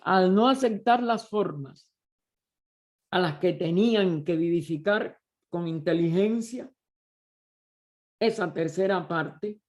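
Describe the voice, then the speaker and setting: A man leading a study group, explaining a text slowly and deliberately, often pausing and restarting as he searches for words. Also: sits high, darkish tone. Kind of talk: slow explanatory study lecture.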